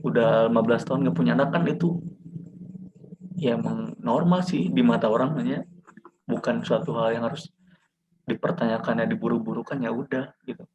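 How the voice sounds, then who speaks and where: A man, a podcast guest, talking in a relaxed, reflective, slangy casual chat. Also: medium pitch, fairly quick, pauses often, slightly rough. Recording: dull lo-fi sound.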